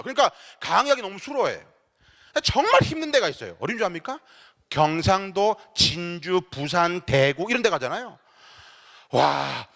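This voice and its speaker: Animated high-voiced pastor in reverberant church. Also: male voice, creaky. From Seoul. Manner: playful, teasing, engages the audience directly. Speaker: pastor leading a church seminar. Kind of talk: lively humorous seminar lecture. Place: church sanctuary. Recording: long hall reverb in a church.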